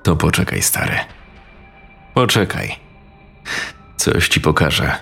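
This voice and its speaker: A man's voice: a bass voice, sing-song, slow pace, vocal fry, a bit bright, slightly rough, faint music behind, pitched below the performer's own voice, full character voice. Man doing a coarse scheming school buddy. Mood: conspiratorial. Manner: conspiratorial, coarse slang. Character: young man, scheming old school friend.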